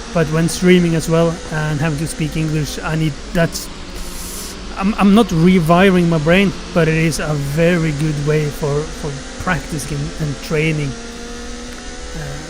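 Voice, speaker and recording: Amid noticeable background noise and audible room echo, a man speaks with a non-native accent. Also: ordinary pitch variation, fairly slow pace. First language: not English. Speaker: gaming streamer. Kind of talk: live-stream commentary. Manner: halting; mumbling.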